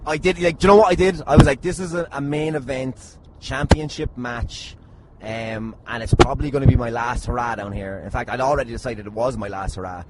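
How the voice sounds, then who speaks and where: A man's voice: medium pitch, a little fast. An Irish man hosting a podcast with casual, jokey, teasing chat and some swearing. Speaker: podcast host. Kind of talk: casual comic banter. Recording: very noisy, slightly distant at times.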